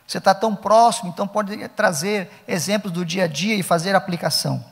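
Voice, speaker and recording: Brazilian pastor, middle-aged man, high pitch, emphatic repeating lecture style, reverberant hall. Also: brisk, creaky, breathy edge. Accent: Brazilian Portuguese. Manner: emphatic, repeats key phrases. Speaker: pastor teaching Sunday school teachers. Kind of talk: conference lecture.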